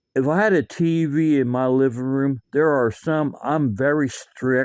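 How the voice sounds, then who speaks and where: Against a quiet background, a man speaks at a very slow pace with a fairly high pitch. The sound is dry and close with no echo. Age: 60s. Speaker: vlogger. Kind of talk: casual monologue vlog. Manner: halting.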